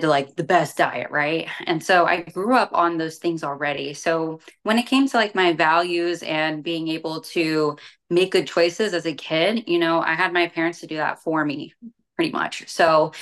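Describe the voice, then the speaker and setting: Low-pitched young woman, casual storyteller. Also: fairly bright tone. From born in Europe, grew up partly in the United States. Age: young adult. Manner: conversational, frequent "like" and "you know". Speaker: bikini competitor and fitness coach, podcast guest. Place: small room at home.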